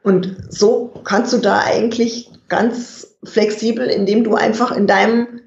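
A guest expert in an interview, explaining communication in a measured way and thinking aloud with fillers. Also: mid-range voice, steady tone, creaky. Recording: dull, roomy recording.

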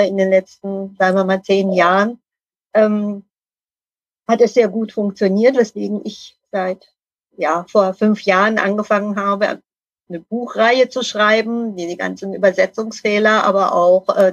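A woman's voice: mid-range voice, no room sound, highs cut off. A middle-aged woman speaking as a podcast guest, explaining her work thoughtfully with many hesitations. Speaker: podcast guest, Lean consultant and author. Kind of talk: conversational guest talk.

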